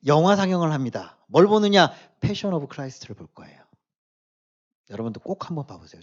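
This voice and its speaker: A man preaching to a church youth group, shifting between quiet asides and loud emphatic exhortation, often asking his listeners questions. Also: high voice, muffled recording. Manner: casual, speaks directly to the youth with questions. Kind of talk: sermon to teenagers.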